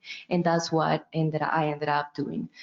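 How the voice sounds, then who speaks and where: A woman speaks with a Spanish accent. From Colombia. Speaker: biomedical technician. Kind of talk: panel discussion.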